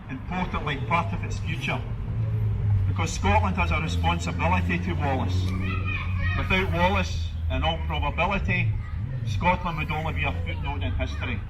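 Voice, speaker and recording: A man introducing speakers at an outdoor commemoration, with a measured, ceremonial delivery. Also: on the high side. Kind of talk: formal outdoor address. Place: outdoors at a public gathering. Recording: distant mic, loud outdoor noise.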